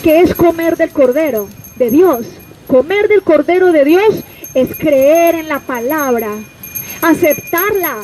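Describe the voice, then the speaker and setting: A woman's voice: high-pitched, animated, slow, darkish tone, a little hiss or hum, low-quality recording. A Colombian woman preaching an open-air street sermon, pressing her listeners with rhetorical questions and direct address. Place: outdoors on a city street.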